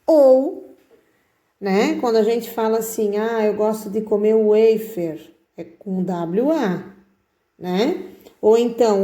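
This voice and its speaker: A woman teacher guides pupils through a handwriting lesson at an unhurried pace. Her voice is mellow and warm rather than bright. She coaxes gently and keeps checking that everyone is following. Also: mid-range voice. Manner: coaxing, with frequent check-ins like "tá?" and "ó". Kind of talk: slow, patient handwriting lesson.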